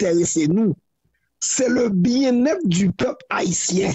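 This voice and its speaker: The speech moves at a very slow pace, with a dry sound, no echo and a quiet background. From Haiti. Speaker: youth organization leader and civil society spokesperson; guest commentator. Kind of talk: interview. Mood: calm, serious political talk. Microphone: video call.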